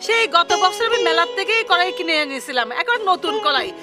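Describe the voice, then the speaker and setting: Needs a nagging middle-aged village mother, high and shrill, music bed behind. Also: lively intonation, a little fast. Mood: scolding. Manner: scolding, sharp tongue, repeated questions. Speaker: mother and wife in a TV serial. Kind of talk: TV drama acting. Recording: background music under the dialogue.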